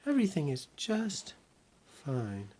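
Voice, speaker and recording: A man's voice: fairly high pitch, wildly swooping pitch, slow pace, warm tone, a little hiss or hum, exaggerated voice. A man voicing a polite, cheerful little girl in a red hood while reading a storybook aloud. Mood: relieved.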